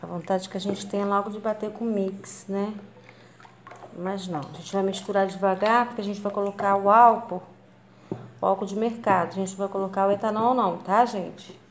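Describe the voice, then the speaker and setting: Over light background noise, a woman talks at a moderate pace with monotone, flat intonation and big swings in loudness. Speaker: home cleaning-product maker and video creator. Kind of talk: tutorial. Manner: casual, chatty. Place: home room. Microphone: phone near.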